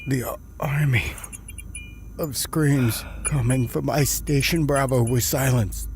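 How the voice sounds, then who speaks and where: A man playing a weary, unnerved survivor telling his horror story in the first person, subdued and deliberate. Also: mid-range voice, fairly even intonation, a little mellow, faint music behind. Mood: subdued unease.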